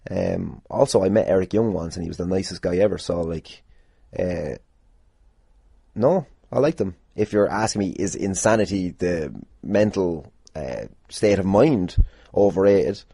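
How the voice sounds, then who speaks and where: A man's voice: sits low, measured pace, vocal fry, warm tone, husky, no echo, clean studio sound. An Irish man hosting a casual solo podcast, answering listener questions in a rambling, jokey way with plenty of swearing. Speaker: podcast host, pro wrestler.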